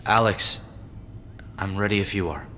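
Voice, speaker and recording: A man's voice: sits low, measured pace, background noise. An actor playing a friendly, practical, curious male technician in an audio drama. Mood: businesslike. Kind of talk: audio fiction acting. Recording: long reverb with music behind.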